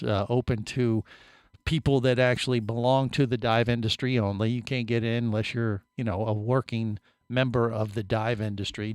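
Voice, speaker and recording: Middle-aged radio host guy joking around in the studio, smooth voice, dry close sound. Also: medium pitch, dry recording. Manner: joking, rambling storyteller. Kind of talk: casual studio banter.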